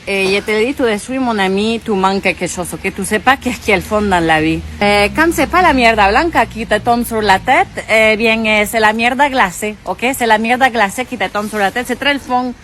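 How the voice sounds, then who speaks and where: A woman's voice: on the high side, moderate pace, few pauses, fairly bright tone, slight background noise, pitched above the performer's own voice, lightly acted. Woman doing a ranting Latina with heavy accent. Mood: exasperated. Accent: heavy Spanish accent in French. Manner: theatrical, exasperated rant. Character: hot-blooded Latina woman ranting about Quebec spring.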